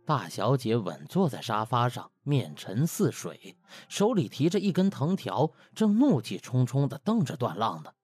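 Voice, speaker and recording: A man's voice: mid-range voice, huge pitch swings, normal speed, hardly any pauses, darkish tone, husky, dry recording. A man narrating a comic audiobook in a dramatic storytelling manner. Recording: music bed behind the voice.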